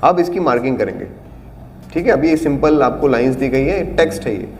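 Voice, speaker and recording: This acting teacher speaks in an animated, mid-range, somewhat mellow voice at a fairly quick clip. Inside an acting studio room with echo and faint background noise, he patiently covers auditions and demonstrates lines using varied tones and volumes.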